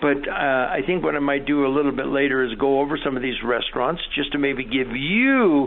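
There is noticeable background noise. A man speaks with an American accent at a fairly high pitch. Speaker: radio host. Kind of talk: radio talk show. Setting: studio.

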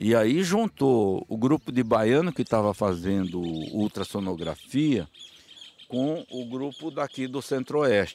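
Very slowly and with very wide pitch swings, a man at medium pitch speaks in a dry, close sound with no echo. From interior of São Paulo state, Brazil. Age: 70s. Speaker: cattle rancher. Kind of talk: casual chat. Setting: outdoors. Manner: animated.

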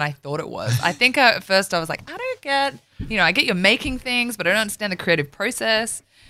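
A woman speaks at a very fast pace with an Australian accent. Her medium-pitched voice makes very wide pitch swings. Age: 30s. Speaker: podcast co-host. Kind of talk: casual interview chat.

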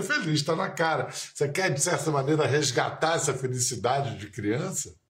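A man's voice has a fairly high pitch. He keeps to a moderate pace. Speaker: TV interviewer. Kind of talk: interview. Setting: video call.

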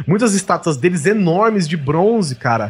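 Using a São Paulo interior accent, a man talks at a moderate pace with lively intonation. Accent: Brazilian, São Paulo interior. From Brazil, São Paulo interior. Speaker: podcast host. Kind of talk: casual chat.

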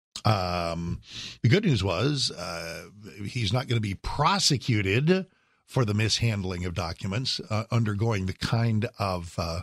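A man speaks slowly-ish in a fairly low, somewhat breathy voice with ordinary pitch variation. The recording is very clean with a silent background. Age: 60s. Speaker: radio talk show host. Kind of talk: talk radio monologue. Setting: studio.

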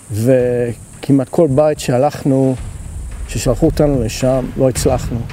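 Speaking at a very slow pace, a man with a medium pitch keeps his intonation fairly even while noticeable background noise plays behind him. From Israel, then Australia from about age 12. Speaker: volunteer firefighter. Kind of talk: interview testimony. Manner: halting.

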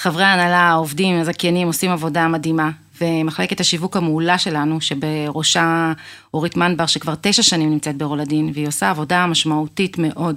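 With a normal speaking voice, a woman talks at a moderate pace and fairly low pitch, her intonation fairly even, in a very clean recording with a silent background. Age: 40s. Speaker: company CEO. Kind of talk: interview.

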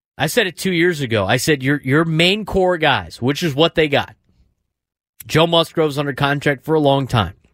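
Over a silent background in a very clean recording, a man with an American accent uses an ordinary speaking voice, fairly high in pitch, with ordinary pitch variation at a moderate pace. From San Diego, California. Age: 20s. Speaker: sports radio host. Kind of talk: sports talk radio.

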